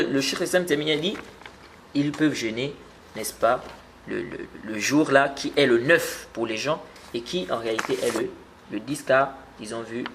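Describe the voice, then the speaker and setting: A man's voice: mid-range voice, fairly bright tone, a little hiss or hum. A man giving a religious lesson, explaining patiently, repeating words and rising when he stresses a point. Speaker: Islamic teacher.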